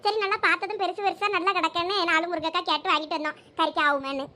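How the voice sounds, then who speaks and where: A woman with a Thoothukudi accent plays village women in a comedy sketch, her voice very high and bright. She talks in gossipy, scolding chatter. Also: fairly even intonation, very fast. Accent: Thoothukudi Tamil.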